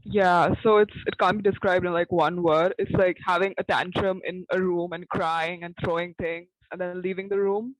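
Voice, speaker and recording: A man's voice: high-pitched, fairly even intonation, moderate pace, hardly any pauses, dry recording, poor audio. A man chatting casually as a playwright on a panel. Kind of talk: casual chat.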